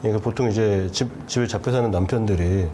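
Very fast and fairly low in pitch, a man talks over light background noise. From South Korea. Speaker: news channel host. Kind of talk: interview. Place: studio. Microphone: lapel.

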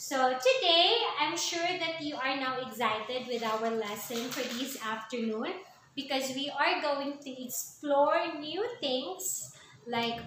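A woman's raised, projected voice comes at a very slow pace, with audible room echo and light background noise. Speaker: teacher. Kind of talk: classroom teaching. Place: classroom. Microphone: camera far.

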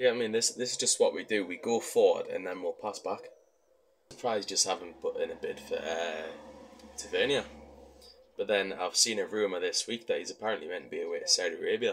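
A man talks at a very fast pace with a Geordie accent. Light background noise sits behind him. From Newcastle, northern England; northern England. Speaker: football vlogger; football fan streamer. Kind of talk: live match vlog commentary. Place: home room. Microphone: headset.

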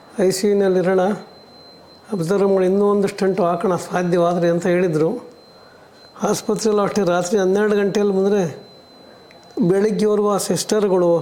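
This man's high pitch stays monotone and flat, with very even loudness throughout. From Karnataka, Tumkur area; Karnataka. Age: 60s. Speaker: patient, retired postmaster and organic farmer. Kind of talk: patient testimony. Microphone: lapel.

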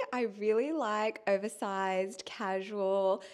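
Light noise sits behind a woman as she talks. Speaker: vlogger. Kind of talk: casual vlog chat. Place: home room. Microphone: lapel.

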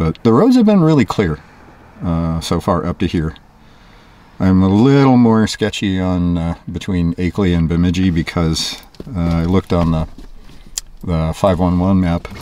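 A man speaks over light background noise. The sound is dry with no echo. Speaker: vlogger on a road trip. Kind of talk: casual vlog chat. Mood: relaxed, lightly amused. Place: car. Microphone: phone near.

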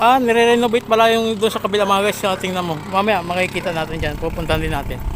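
A man rushes through his words at a very fast pace, with noticeable background noise behind him. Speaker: vlogger. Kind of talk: walking travel vlog narration. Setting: outdoors, walking through town. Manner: casual, rambling with many fillers.

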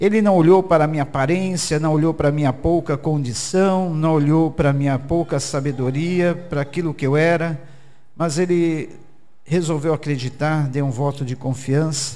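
A man talks in an ordinary speaking voice at a moderate pace. His intonation stays fairly even. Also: fairly high pitch for a man. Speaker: pastor. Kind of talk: church welcome and prayer. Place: church. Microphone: handheld.

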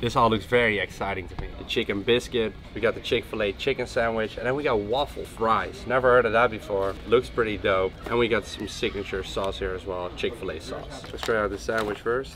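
A man's voice with ordinary pitch variation and hardly any pauses, clear music in the background. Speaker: travel vlogger. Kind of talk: casual vlog chat.

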